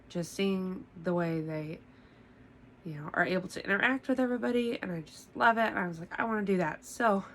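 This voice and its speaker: A woman's voice: lowish voice, fairly bright tone, slight background noise. A congested, slightly nasal woman, chatting casually to camera from her home craft room, laughing often and filling with ums. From United States. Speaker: podcast host.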